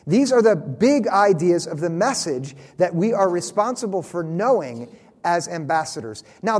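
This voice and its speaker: A man preaching a sermon, earnest and emphatic, slowing down to stress key phrases. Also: sits high, a little mellow. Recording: long reverb of a large hall.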